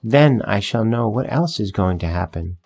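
A man's voice: fairly low pitch, animated, normal speed, a little mellow, breathy edge, faint music behind. A man voicing an eager, naive young fir tree in a storybook reading, asking longing, wondering questions. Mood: hopeful.

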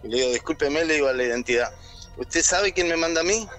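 A man's voice: fairly high pitch, expressive, quick pace, a bit bright, soft background music. A man with an Argentine accent calling in to tell a personal story, acting out the voices he quotes. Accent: Argentine Spanish. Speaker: caller. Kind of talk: telling a personal story on air.

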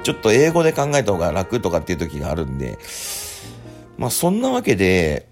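A man hosting a casual radio segment, telling relaxed stories with plenty of fillers. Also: deep voice, fast talker, soft background music. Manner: chatty, relaxed storytelling with many fillers. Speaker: radio host and rakugo storyteller. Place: Japan.

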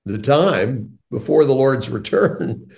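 Earnest older male radio host, mellow tone. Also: medium pitch, slow, vocal fry. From North Carolina, USA. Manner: earnest, animated storyteller.

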